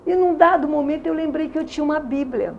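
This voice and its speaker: A woman in her sixties from Rio de Janeiro, with a Carioca Brazilian Portuguese accent, tells her faith testimony in an interview with earnest emotion. Her voice is high-pitched and fast with vocal fry. The recording is muffled and carries slight background noise.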